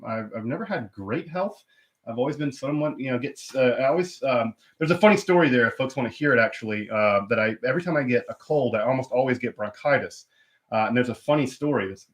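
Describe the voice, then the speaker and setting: A man hosting his own live stream, talking casually with lots of fillers and restarts while stuffed up with a cold. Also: medium pitch. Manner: rambling, many fillers and restarts. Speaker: channel host.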